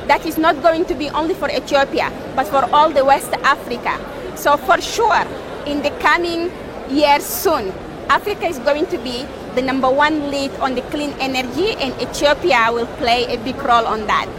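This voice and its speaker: A woman's voice: high voice, moderate pace, a crowd in the background. A woman from Chad, an indigenous delegate, speaking earnestly and hopefully in a street interview. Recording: outdoor noise.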